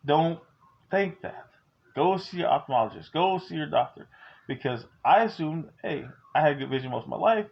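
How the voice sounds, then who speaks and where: Man, forties, raspy gravel in the voice, joking but earnest, casual home vlog, muffled sound. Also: on the high side, expressive, normal speed. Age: 40s. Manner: candid, joking yet earnest, gives advice. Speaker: vlogger. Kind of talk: casual talk to camera.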